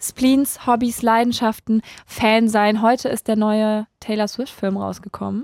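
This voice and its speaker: Her pitch fairly high, a woman speaks at a fairly slow pace with monotone, flat intonation. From Saarland. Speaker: radio host. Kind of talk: casual radio chat with callers. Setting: radio studio.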